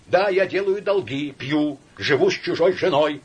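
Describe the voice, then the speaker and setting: A man voicing a young male official who is hysterical and indignant, in shrill shouting outbursts. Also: sing-song, moderate pace, vocal fry, husky, muffled recording, full character voice.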